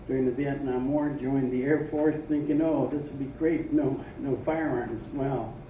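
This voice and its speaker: Flat, monotone delivery in an American accent at a moderate pace, hardly any pauses, audible room echo and noticeable background noise. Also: man, fairly high pitch for a man. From US Midwest, Indianapolis. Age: 70s. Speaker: panel speaker, formerly homeless. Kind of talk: public talk.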